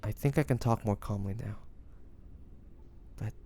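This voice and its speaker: A man plays a devoted, anguished young man in an intimate fantasy romance audio drama, speaking haltingly and emotionally with pauses and sighs. His voice is lowish, warm, and husky, and the mood is calm and earnest.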